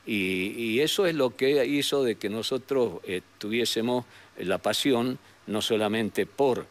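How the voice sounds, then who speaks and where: An older man with a northwestern Argentine accent, telling memories as an interview guest in a rambling, halting way with frequent tag questions. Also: medium pitch. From San Salvador de Jujuy, Argentina. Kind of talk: reminiscing in a conversational interview. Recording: noticeable background noise.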